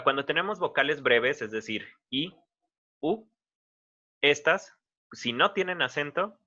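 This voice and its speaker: A man teaching an informal online lesson, talking in a relaxed, conversational way with frequent restarts. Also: mid-range voice, highs cut off.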